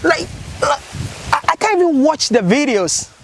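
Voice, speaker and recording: A man's voice: very high-pitched, very animated, normal speed, background noise. A man vlogging with earnest, impassioned commentary, asking repeated rhetorical questions.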